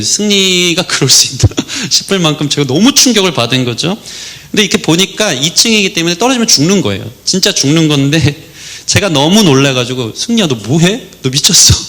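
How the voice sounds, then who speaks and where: A man in his thirties preaching a sermon in church, telling a family story in an earnest way and raising his voice to stress a point. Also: a bit bright. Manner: earnest storytelling, rises sharply in pitch when stressing a point. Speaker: pastor. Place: church sanctuary.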